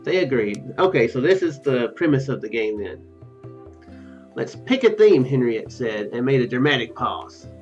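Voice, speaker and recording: A man's voice: mid-range voice, very animated, moderate pace, a little mellow. A young man doing casual let's play commentary, reading game text aloud and rambling into joking asides. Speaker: video game streamer. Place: small room at home, indoors. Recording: dull lo-fi home mic, music behind. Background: game music.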